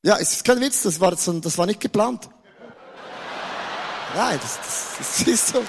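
A man's voice: high voice, lively intonation, moderate pace, vocal fry, background noise. A man from Switzerland with a Swiss German accent preaching a playful sermon, stumbling over repeated words and joking with the audience. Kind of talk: lively humorous sermon.

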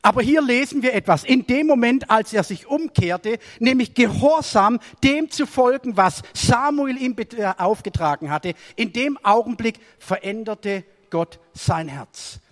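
High-voiced male preacher, storytelling sermon style, reverberant hall sound. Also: unhurried, hardly any pauses. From Germany. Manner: storytelling sermon with swings between raised emphasis and quiet asides.

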